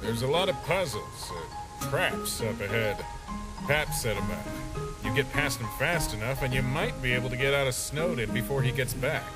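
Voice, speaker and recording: A man voicing a laid-back, gruff skeleton monster in a comic dub, with a casual, wry drawl. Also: mid-range voice, animated, moderate pace, close to an everyday voice, poor audio. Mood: wry, guarded. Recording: loud music behind the voice.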